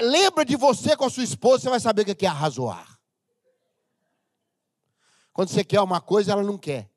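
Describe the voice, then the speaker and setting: A middle-aged Brazilian man preaching a humorous, animated sermon as pastor of a church, sometimes breaking into shouts. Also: high voice, no room sound, studio quality. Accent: Brazilian Portuguese.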